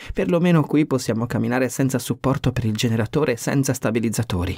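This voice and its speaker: A normal speaking voice with ordinary pitch variation, on a very clean recording over a silent background. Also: man. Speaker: audiobook narrator. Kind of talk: audiobook reading of sci-fi horror novel. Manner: measured, even narration, tense and atmospheric.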